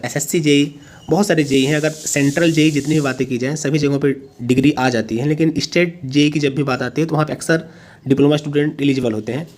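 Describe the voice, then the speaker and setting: Man explaining things to students. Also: mid-range voice. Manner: explanatory, emphatic, mixing in English words. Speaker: host of a job-notification video channel. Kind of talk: informal explainer addressed to students.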